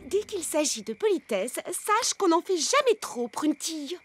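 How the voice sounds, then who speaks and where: A woman's voice: very high-pitched, very animated, unhurried, full character voice. A woman voicing a fussy, bossy young girl with prim, formal manners in a French cartoon dub. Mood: earnest, anxious. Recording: loud music behind the voice.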